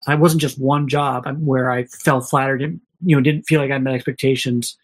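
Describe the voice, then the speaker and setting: A man's voice: medium pitch, steady tone, normal speed. Candid man telling stories on a podcast. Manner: candid, rambling, many restarts and quoted dialogue. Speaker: podcast guest. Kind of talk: casual storytelling.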